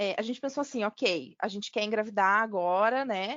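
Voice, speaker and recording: A woman talks at a moderate pace in an ordinary speaking voice, with ordinary pitch variation. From Brazil, Curitiba. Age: 30s. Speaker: podcast guest sharing birth story. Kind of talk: testimony.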